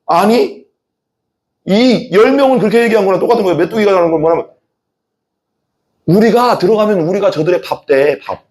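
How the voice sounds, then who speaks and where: Male pastor, Korean sermon, animated, acted-out quotes, questions to congregation. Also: sits high, fairly quick, pauses often. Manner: animated, acts out voices in quoted dialogue; asks the congregation questions and has them repeat.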